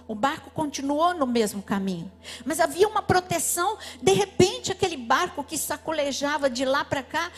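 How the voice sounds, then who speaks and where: High-voiced Brazilian woman preaching a sermon. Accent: Brazilian Portuguese. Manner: emphatic, rising and falling, leads call-and-response with congregation.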